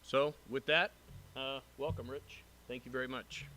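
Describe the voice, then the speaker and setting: A man with a bright, forceful voice of ordinary pitch delivers formal remarks as a police captain. He is earnest and measured, and the meeting room recording carries clear background noise. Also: steady tone. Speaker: police captain introducing a new lieutenant. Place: city council chamber.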